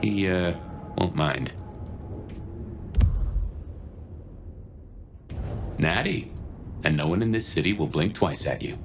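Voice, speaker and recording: Very low, wry vampire detective. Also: male voice, animated, normal speed, vocal fry, slight background noise. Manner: wry, folksy, conversational. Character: wry, world-weary male vampire detective companion. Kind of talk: video game acting, noir detective. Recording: loud music behind the voice.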